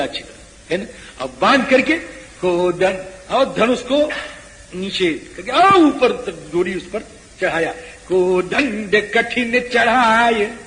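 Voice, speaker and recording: A man giving a devotional scripture discourse. He talks in an animated way and chants verses slowly. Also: sits high. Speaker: religious storyteller. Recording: echoey hall with faint noise.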